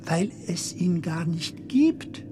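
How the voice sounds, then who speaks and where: Halting, anxious film comedian, slow-paced. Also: male voice, a little high, lively intonation, background noise. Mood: brooding, anxious. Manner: hesitant, halting, searching for words. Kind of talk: theatrical audio drama dialogue. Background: music.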